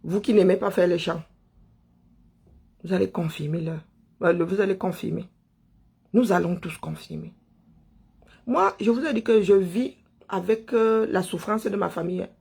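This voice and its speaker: High, gravelly man ranting. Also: normal speed, pauses often, darkish tone. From Cameroon. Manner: emphatic, rhetorical questions, repeats phrases for effect. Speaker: online political commentator. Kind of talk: impassioned political monologue.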